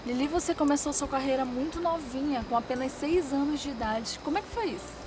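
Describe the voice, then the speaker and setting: A woman's voice: high-pitched, brisk, noisy background. A young woman hosting a TV program, outdoors in a forest park. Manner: bright, polished presenter delivery. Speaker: TV host. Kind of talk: TV presenter intro and interview. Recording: background music underneath.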